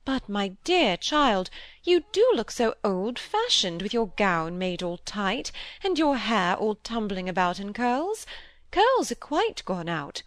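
Voicing an audiobook character, a woman plays a vain, chattering middle-aged stepmother, gushing and fussy and quick to dismiss. Her mid-range voice is sing-song, in a gushing mood. There is no echo.

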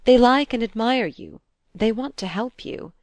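A woman voicing an earnest young gentleman who speaks gently and reassuringly. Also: a little high, animated, measured pace, dry recording, pitched above the performer's own voice.

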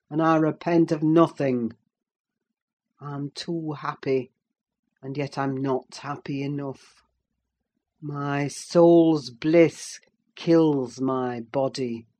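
A man's voice: mid-range voice, darkish tone, close to an everyday voice. A performer playing a brooding, haunted, sleepless older man in a dramatic audiobook, speaking in grave, intense declarations. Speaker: character in an audiobook.

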